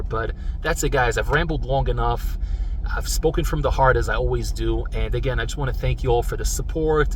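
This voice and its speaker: A man in his mid-thirties talking casually to his viewers while driving, earnest and rambling. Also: medium pitch. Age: 30s. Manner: rambling, earnest, says "guys" often. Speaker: supplement review channel host. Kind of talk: casual vlog talk to viewers. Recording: mic far off, car road noise. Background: car and traffic noise.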